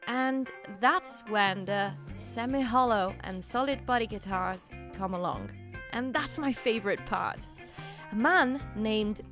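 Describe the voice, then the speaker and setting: Expressive woman presenter over music. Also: fairly high pitch. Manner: playful asides, expressive emphasis. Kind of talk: scripted educational narration, conversational.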